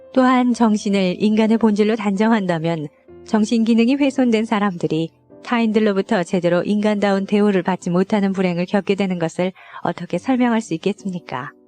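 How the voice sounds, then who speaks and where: Music plays in the background as a woman talks fairly quickly at a medium pitch. Her pitch variation is ordinary, and the sound is dry and close with no echo. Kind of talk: audiobook reading.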